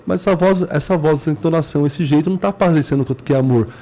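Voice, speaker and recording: A man's voice: fairly high pitch, quick pace, dark tone. A man with a Brazilian accent, a company CEO appearing as a guest, explaining his points earnestly in short stacked phrases. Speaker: guest, business management CEO. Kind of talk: explanatory interview talk.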